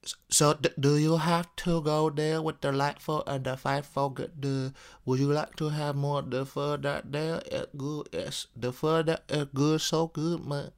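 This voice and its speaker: A man putting on a heavy Vietnamese accent with a soft, halting, repetitive delivery. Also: fairly high pitch, little pitch movement. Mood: coaxing. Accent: put-on Vietnamese.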